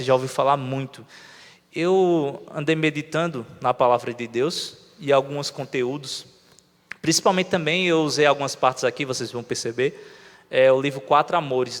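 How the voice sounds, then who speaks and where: In a church hall with long, lingering reverb, a Brazilian man delivers a chatty sermon and frequently quizzes his congregation. His voice sits on the high side with a fairly bright tone, and he speaks with a Brazilian Portuguese accent.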